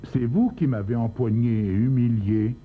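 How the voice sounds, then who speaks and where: A shabby little swindler, voiced by a man in a raised, thin voice, shifting from fake fear to quiet menace. The reading comes through a tinny, phone-like channel with a faint hiss behind it. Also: mid-range voice, moderate pace, pitched above the performer's own voice, lightly acted. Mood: calm, menacing. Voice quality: put-on foreign accent at first. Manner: pleading, then calm and cutting.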